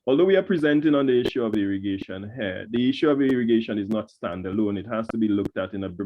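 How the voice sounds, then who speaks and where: A man explaining in an emphatic, roundabout way as a presenter in an online session. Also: on the low side. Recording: dull lo-fi online call.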